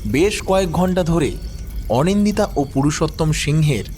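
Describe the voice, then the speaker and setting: Male narrator for ghost tales, highish voice, lively swings in pitch, dramatic scripted read. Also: normal speed, a little hiss or hum.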